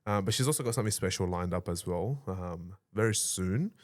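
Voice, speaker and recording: A man's voice: deep voice, lively intonation, fairly quick. A man in his late twenties hosting a podcast, upbeat and playful as he chats with a guest. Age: late 20s. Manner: upbeat and playful, laughs along. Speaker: podcast host. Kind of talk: casual interview chat.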